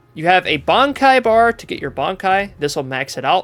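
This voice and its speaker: Music plays behind a man talking. His pace is fairly quick and his intonation lively. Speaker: gaming YouTuber. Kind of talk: tutorial. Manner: fast.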